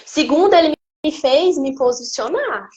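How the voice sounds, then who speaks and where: A woman, a guest giving an emotional personal testimony in an animated storytelling way. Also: high-pitched, normal speed, highs cut off, background noise. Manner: animated storytelling, acting out quoted speech. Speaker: interview guest.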